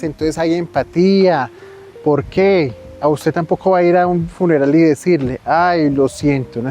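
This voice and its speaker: A man's voice: fairly high pitch, dark tone. A man giving a conversational mental health talk, often acting out quoted voices. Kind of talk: casual advice talk on local TV.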